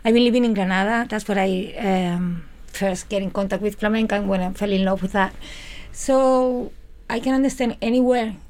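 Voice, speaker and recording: A woman's voice: mid-range voice, moderate pace, a little mellow. A woman from Madrid with a Spanish accent, a flamenco dancer chatting in an interview and sometimes searching for English words. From Spain, Madrid. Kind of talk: casual interview chat.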